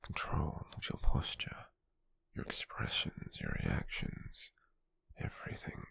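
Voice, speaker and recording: A British man acting a cold, possessive slave merchant in an ASMR roleplay, speaking formally and condescendingly in a breathy, gravelly half-whisper close to the mic. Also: a bit bright. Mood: measured, possessive. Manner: slow, measured, formal, condescending. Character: cold, possessive male slave merchant, controlling yet intrigued captor. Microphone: close microphone, dry.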